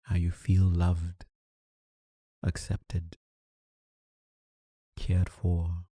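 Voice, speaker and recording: A man leading a guided meditation, giving soothing, unhurried instructions with long pauses between phrases. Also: deep voice, completely flat delivery, dark tone, dry recording. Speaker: meditation teacher.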